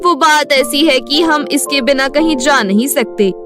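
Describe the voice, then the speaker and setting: A woman's voice: sits high, a little slow. A woman voicing a middle-aged, demanding mother of a groom, effusive yet pointed, in a storybook tale. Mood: polite, pointed. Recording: music behind the voice.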